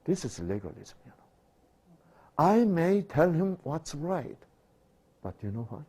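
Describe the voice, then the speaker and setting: Male preacher; slow, very lively pitch, quizzes the congregation. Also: slightly rough. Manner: asks rhetorical questions and answers them; swings between loud emphatic bursts and quiet low asides. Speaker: pastor. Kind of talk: sermon.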